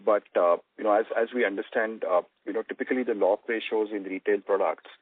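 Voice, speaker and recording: A man with an Indian accent asking a question as an analyst on an earnings call, halting and often repeating words. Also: fairly low pitch, steady tone, no echo. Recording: dry narrow phone-line audio.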